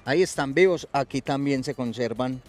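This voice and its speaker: A man's voice: mid-range voice, normal speed, soft background music. A middle-aged man, a coffee expert guest, explaining in a folksy storytelling way outdoors in a garden. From Colombia. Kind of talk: explanatory interview talk.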